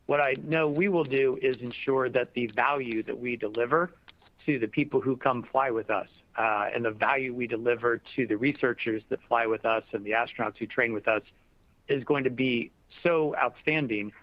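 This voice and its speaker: A male company executive fields questions in a semi-formal business manner, sounding measured, diplomatic and explanatory. His mid-range voice keeps a fairly even intonation, and the audio has the dull lo-fi quality of a conference call.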